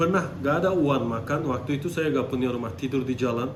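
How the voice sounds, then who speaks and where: With a Turkish accent, a man speaks at a fairly quick pace and medium pitch with ordinary pitch variation, amid audible room echo and noticeable background noise. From Turkey. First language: Turkish (speaking Indonesian). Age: 30s. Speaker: business owner. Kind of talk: interview.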